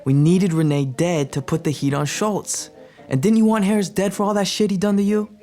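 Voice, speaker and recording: An actor playing a cocky, bigoted white gangster of the 1920s in an audio drama, talking in tough, wisecracking period slang. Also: male voice, high-pitched, steady tone, brisk, mellow, faint music behind, natural voice. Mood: cocky, impatient.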